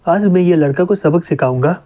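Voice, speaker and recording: A man's voice: high-pitched, a little fast, mellow, lightly acted. A man voicing a meddling, hot-tempered middle-aged uncle in a manga recap, teasing and scolding.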